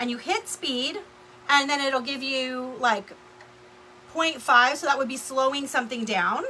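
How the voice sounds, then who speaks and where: A raised, projected voice moves at a fairly slow pace with long, frequent pauses. Pitch variation is ordinary, and background noise is noticeable. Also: woman, high pitch for a woman. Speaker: crafting livestream host. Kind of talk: live crafting stream chat.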